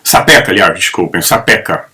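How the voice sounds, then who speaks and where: A man's voice: sits low, expressive, fairly quick, pushed and bright. A man, giving an opinionated, rambling monologue full of personal stories. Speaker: channel host. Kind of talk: casual spoken monologue. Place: home in the Netherlands.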